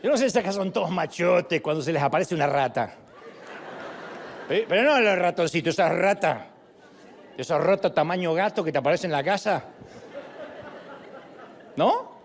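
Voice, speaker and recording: Man preaching, lively pitch, jokes and acts out voices, high voice. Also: normal speed, gravelly, long pauses, a faint crowd, a little hiss or hum. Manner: animated, joking, acts out voices. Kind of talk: sermon.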